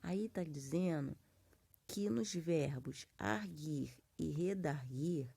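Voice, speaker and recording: With a low, slow voice that is warm, breathy at the edges and touched by vocal fry, a Brazilian woman teaches grammar in class. As a Portuguese teacher with a Brazilian accent, she explains patiently and pronounces example words syllable by syllable.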